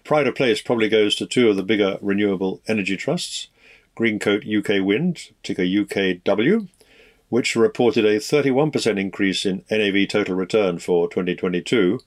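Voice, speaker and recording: A man hosting a podcast, reading scripted financial market news in a measured, formal and fluent way. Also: lowish voice. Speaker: podcast host.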